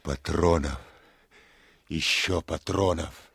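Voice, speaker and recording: An actor playing a stoic, weakened, wounded army commander with a hoarse, gravelly voice in an audio drama. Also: male voice, extremely low pitch, fairly even intonation, slow pace, fairly bright tone, no echo, studio quality, heavily acted. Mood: strained.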